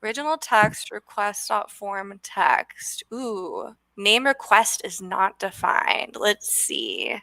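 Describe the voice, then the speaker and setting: A woman's voice: mid-range voice, big pitch swings, slow, creaky, few pauses, sharp tone, dry recording, rough recording. A woman co-hosting a live coding stream, chatty and bubbly, reading out comments from the chat.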